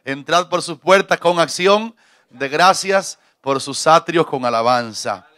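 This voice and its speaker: A man's voice: fairly high pitch, a little slow, a bit bright, no room sound. Jovial preacher man. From Cuba. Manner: jovial, preacherly, joking with congregation. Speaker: visiting pastor. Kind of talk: sermon. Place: church. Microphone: handheld mic.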